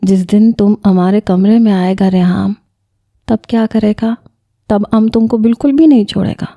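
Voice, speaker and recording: A woman's voice: medium pitch, fairly even intonation, no echo, dull audio, natural voice. A woman voicing a bold, possessive young Pashtun husband who talks bluntly in broken, informal grammar. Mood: teasing.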